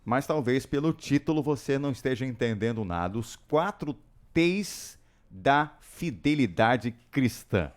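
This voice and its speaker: Lively, chatty male radio host. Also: medium pitch, unhurried. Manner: lively, chatty, laughs often. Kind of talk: casual radio studio chat. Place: radio studio.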